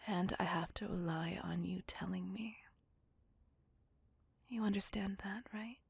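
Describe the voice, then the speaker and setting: A woman voicing a courteous, possessive female vampire on a date, speaking in a soft, formal and reassuring whisper. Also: medium pitch, fairly even intonation, vocal fry, slightly rough, no room sound, exaggerated voice. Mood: tender whisper. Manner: formal, slow, intimate and reassuring. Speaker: voice actor. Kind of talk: ASMR roleplay.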